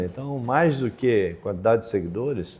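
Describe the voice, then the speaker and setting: A man with a dark, mellow tone and a medium pitch makes very wide pitch swings. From Florianópolis, Santa Catarina, southern Brazil. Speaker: mayor and businessman. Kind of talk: interview. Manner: natural, conversational.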